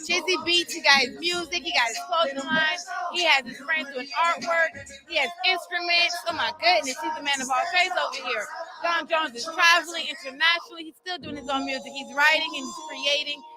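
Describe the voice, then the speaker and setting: A woman's voice: high voice, brisk. A woman hosting live interviews at a showcase event, talking in a hyped, informal, slangy way. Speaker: interviewer and host. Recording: music behind the voice. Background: music at a live showcase.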